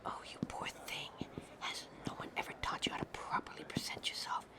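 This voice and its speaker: A woman's voice: brisk, in a whisper, lightly acted. A woman playing a vain, easily offended talking fashion mannequin in a scripted audio roleplay, theatrical, condescending and fussy. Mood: hushed scheming. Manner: theatrical, condescending, fussy, calls listeners darling.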